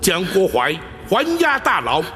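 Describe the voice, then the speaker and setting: An actor playing a stern imperial judge in a period drama, stately, deliberate and authoritative. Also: male voice, high-pitched, wildly swooping pitch, music in the background, exaggerated voice. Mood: commanding. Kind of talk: theatrical Chinese period drama acting. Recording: reverberant hall.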